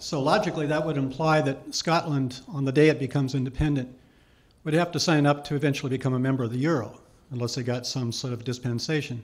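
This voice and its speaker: A somewhat breathy man's voice, fairly high in pitch, with fairly even intonation and a very fast pace. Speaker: economist in the audience asking questions; questioner. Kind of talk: audience question. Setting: stage with audience. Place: hall. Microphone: handheld.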